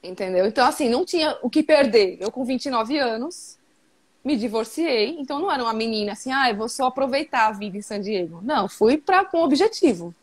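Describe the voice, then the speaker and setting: A Brazilian woman in her thirties tells her story in a chatty, emphatic way, with lots of fillers. Her voice sits a little high. The sound comes over a video call. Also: expressive, a little fast. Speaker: interview guest. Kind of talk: casual video-call interview.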